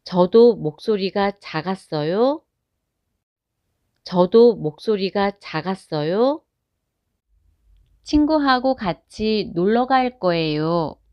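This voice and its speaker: Woman, very slow and careful phrase reading, dry and slightly muffled sound, learner drills. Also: medium pitch, animated, smooth, no echo. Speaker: Korean phrase reader. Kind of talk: slow repeated example sentences for learners.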